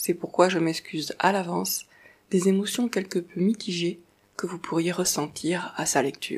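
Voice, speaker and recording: At a fairly slow pace, a woman with a somewhat breathy voice speaks at medium pitch with fairly even intonation. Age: 40s. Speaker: voice actor. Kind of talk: audiobook narration.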